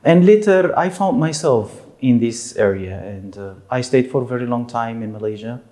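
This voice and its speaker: Man with a lively, hesitant voice. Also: mid-range voice, moderate pace. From Egypt. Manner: hesitant, many fillers, frequent laughs. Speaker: interviewee. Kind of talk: casual interview in second language.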